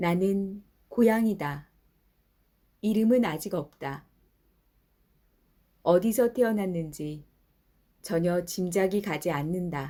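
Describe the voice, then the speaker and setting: Very slow with long, frequent pauses, a woman's dark, mellow voice sits at a medium pitch with ordinary pitch variation. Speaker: narration student. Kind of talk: audiobook-style literary reading practice.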